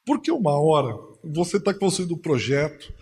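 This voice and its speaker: Pastor preaching, storyteller who acts out the voices, raspy high voice. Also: male voice, very animated, normal speed, darkish tone. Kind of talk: sermon.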